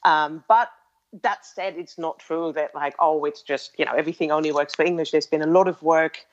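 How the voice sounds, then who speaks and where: Woman guest, low voice, hesitant, lo-fi sound. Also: steady tone, brisk. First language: German. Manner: thoughtful, many ums and restarts, light laughs. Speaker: interview guest, language-tech developer. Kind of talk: casual explanatory interview talk. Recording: muffled lo-fi audio.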